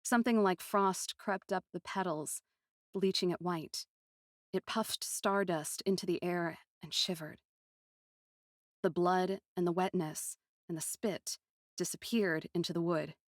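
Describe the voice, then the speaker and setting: A woman narrating first-person fiction dramatically, with a deliberate, poetic, often hushed delivery. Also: lowish voice, steady tone, dry recording, studio quality. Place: close, dry recording.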